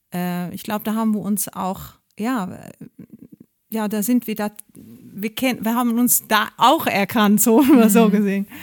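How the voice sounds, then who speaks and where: A woman speaks with fairly even intonation and a fairly high pitch. She leaves long, frequent pauses. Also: fairly slow pace. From Netherlands. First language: Dutch (speaking German). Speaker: musician. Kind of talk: interview conversation.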